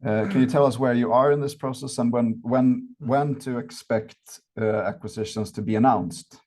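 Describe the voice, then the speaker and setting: Analyst guy on an earnings call asking a question, regular mid pitch voice. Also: moderate pace, a little mellow. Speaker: financial analyst.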